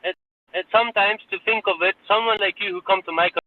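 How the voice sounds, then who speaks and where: A man's voice: sits high, steady tone, quick pace. A man from Afghanistan arguing in a live audio room. He speaks insistently, lectures his listeners and repeats words when he is cut off. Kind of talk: heated debate. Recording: tinny phone-line audio.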